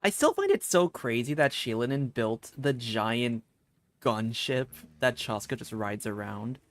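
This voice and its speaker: A man's voice: medium pitch, sing-song, unhurried, fairly bright tone. A man giving casual, rambling live commentary as he plays a video game.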